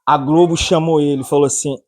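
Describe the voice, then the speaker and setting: A man's voice: on the high side, steady tone, fast. A man with a Brazilian accent preaching a humorous sermon, joking, laughing often and acting out anecdotes.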